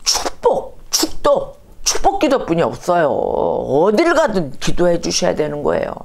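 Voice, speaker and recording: A woman pastor preaching a storytelling sermon, lively and anecdotal, full of rhetorical questions. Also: fairly low pitch, moderate pace, vocal fry.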